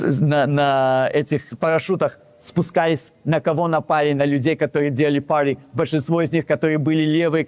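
Recorded without echo, a man with a slightly high voice shares a casual personal anecdote. He brings the quoted dialogue to life in animated fashion, repeatedly restarting and correcting himself.

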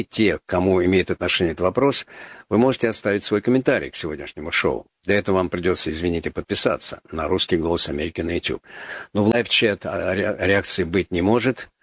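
Male talk radio host, deep bass, dry studio sound, ironic, chatty, lots of hedging fillers. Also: a bit bright, husky, no echo, highs cut off. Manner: ironic, wry asides with frequent fillers. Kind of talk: casual call-in radio talk.

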